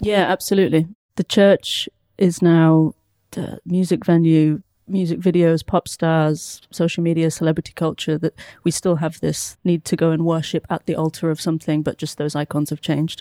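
A woman with a Welsh accent speaks at a moderate pace in a fairly low, dark, mellow tone with monotone, flat intonation. The recording is very clean with a silent background, dry and close with no echo. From South Wales. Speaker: painter. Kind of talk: interview.

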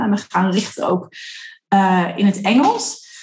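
Fairly even intonation in a somewhat breathy female voice. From Netherlands. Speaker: podcast host, online marketing strategist. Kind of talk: conversational interview.

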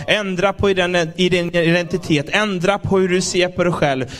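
High-pitched male voice at a moderate pace, with noticeable background noise. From Sweden, Gothenburg. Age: 20s. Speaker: pastor. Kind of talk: sermon. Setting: church.

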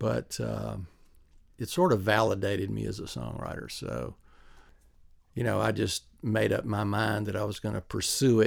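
Speaking with a Southern US accent at a moderate pace, a man leaves long, frequent pauses in a very clean recording with a silent background. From Kentucky, US South. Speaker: songwriter. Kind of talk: casual interview. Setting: recording studio.

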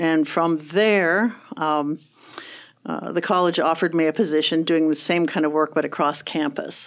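A woman speaks at a moderate pace in a fairly low pitch, keeping her intonation fairly even. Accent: Midwestern American. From Nebraska (Kearney). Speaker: college grounds supervisor, horticulturist. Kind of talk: interview.

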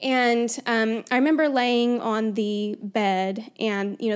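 A woman with an American accent and a normal speaking voice talks at a fairly high pitch with fairly even intonation. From Oklahoma, US. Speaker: stay-at-home mom. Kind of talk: testimony.

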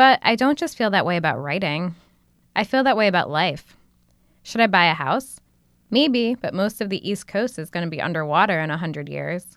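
With an American accent and a normal speaking voice, a woman at medium pitch talks at a fairly quick pace with lively intonation, in a very clean recording with a silent background. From Scranton, Pennsylvania, US. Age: 30s. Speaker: magazine writer. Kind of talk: reading aloud of a personal essay.

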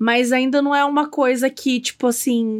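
Fairly slow speech from a woman, high in pitch. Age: 30s. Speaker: podcaster. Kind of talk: casual chat.

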